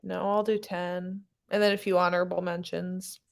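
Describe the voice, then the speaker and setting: A woman's voice: lowish voice, little pitch movement, moderate pace, vocal fry. A woman co-hosting a book live show in an informal, casual chatting style with a self-deprecating manner. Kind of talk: casual chat.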